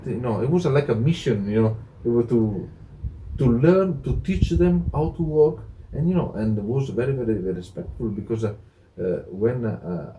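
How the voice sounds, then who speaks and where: A middle-aged Italian man with an Italian accent, a hotel director talking as an interview guest, halting with many fillers and restarts. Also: on the low side, mellow, a little hiss or hum, low-quality recording. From Italy. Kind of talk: casual interview chat.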